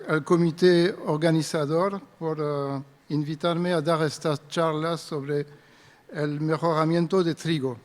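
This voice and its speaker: French guy, middle-aged, lectures slow and halting, voice a bit high, echoey conference hall. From France. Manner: careful, hesitant speech in a second language. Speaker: invited speaker, wheat breeder. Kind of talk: conference presentation. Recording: long reverb of a large hall.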